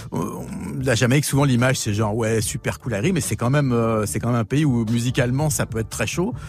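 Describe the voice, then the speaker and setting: A man speaks at a fairly quick pace and medium pitch with ordinary pitch variation. There is noticeable background noise. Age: 50s. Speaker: radio host. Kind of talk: radio interview.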